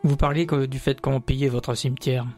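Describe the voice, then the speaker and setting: A man of average pitch speaks in character in a role-playing game. His replies are short, formal and polite, with music behind him. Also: steady tone, fairly quick, darkish tone. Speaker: player. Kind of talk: in-character role-play dialogue.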